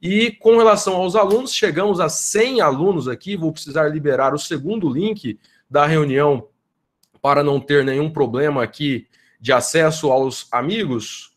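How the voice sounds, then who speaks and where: Effusive Brazilian professor on a video call. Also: male voice, fairly high pitch, moderate pace. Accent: Brazilian Portuguese. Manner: effusive, grateful, tags sentences with "né?". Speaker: law professor leading a research group. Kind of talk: informal address to students in an online meeting.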